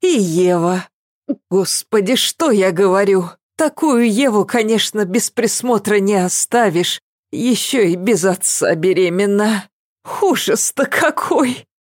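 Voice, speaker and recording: A woman's voice: medium pitch, animated, takes it slowly, dry recording, clean studio sound, pitched above the performer's own voice. A woman doing a grumbling, fretful mother. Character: fussy, worried middle-aged mother.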